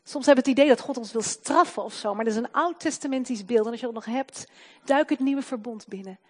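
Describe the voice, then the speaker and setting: A woman preaching a sermon to her congregation, swinging between loud proclamation and soft, slowed emphasis. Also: fairly high pitch.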